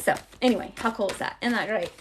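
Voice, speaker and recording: A woman hosting a live-streamed tarot card reading. She chats casually with her viewers and speaks calmly and encouragingly when she gives guidance. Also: medium pitch, fast, over music. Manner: chatty, addresses viewers directly with y'all.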